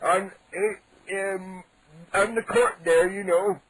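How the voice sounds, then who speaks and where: A man's voice: high voice, fairly even intonation, takes it slowly, a bit bright, slightly rough, exaggerated voice, low-quality recording. A man playing a cranky, indignant 87-year-old neighbor on a prank call, making blustering threats with mock-polite outrage. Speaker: prank caller.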